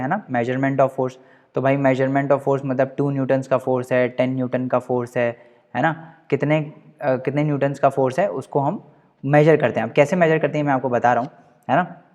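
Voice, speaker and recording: A man's voice: medium pitch, darkish tone. A man teaching a physics class, explaining step by step, repeating key points and checking in with the students after almost every sentence, mixing English terms into his talk. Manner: tags nearly every sentence with a checking question. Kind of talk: classroom lecture. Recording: long reverb room.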